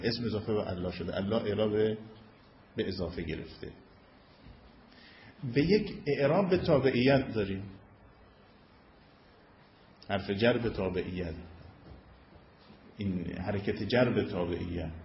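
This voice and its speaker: A man explaining Arabic grammar as a religious teacher, in a patient lecturing manner, often lifting and dropping his voice for emphasis. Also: a little hiss or hum. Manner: explanatory, rises and falls in pitch for emphasis. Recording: echoey room, dull lo-fi sound.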